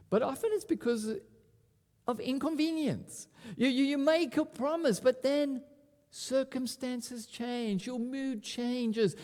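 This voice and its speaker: A preacher at a pulpit microphone, his voice high and swinging widely in pitch. He talks animatedly, often restarting with repeated words, and a long church-hall reverb trails behind him. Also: darkish tone. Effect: speaking at a pulpit microphone. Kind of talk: expository sermon.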